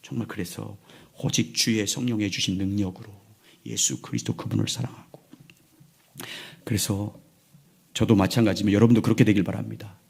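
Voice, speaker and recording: A man in his sixties, a pastor preaching a sermon in a church, moving between loud emphatic lines and hushed, near-whispered ones. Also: on the low side, fairly quick, gravelly, breathy edge. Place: church sanctuary.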